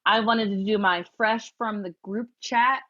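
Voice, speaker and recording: A woman co-hosting a casual podcast chat, lively and quick to chime in, often laughing. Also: medium pitch, dull audio. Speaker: podcast co-host.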